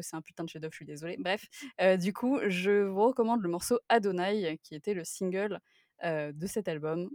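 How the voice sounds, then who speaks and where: A woman's plain, everyday voice at a medium pitch and moderate pace, with lively intonation, in a very clean recording with a silent background and a dry, close sound with no echo. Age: 20s. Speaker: music journalist. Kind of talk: casual chat.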